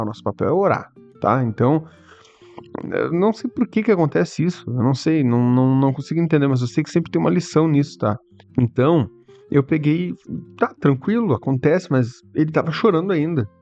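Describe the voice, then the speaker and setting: A man with a Brazilian Portuguese accent giving an earnest personal testimony, preaching with halting restarts. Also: on the high side, animated, darkish tone. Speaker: Christian content creator. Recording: dull lo-fi audio with faint music.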